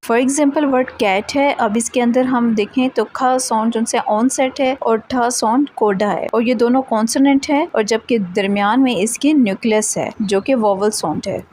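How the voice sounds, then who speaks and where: Woman, young adult, English teacher, lesson, fairly high voice, faint background noise. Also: darkish tone, rough recording. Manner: reads English definitions slowly and deliberately, explains casually. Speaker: English teacher, channel host. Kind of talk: explanatory lesson, mixing Hindi-Urdu and English.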